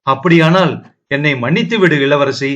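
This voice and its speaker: A young nobleman speaks tenderly but firmly to his beloved, read by a man narrating an audio novel. His voice sits fairly high and steady. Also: moderate pace, dull audio, natural voice. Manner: firm, tender.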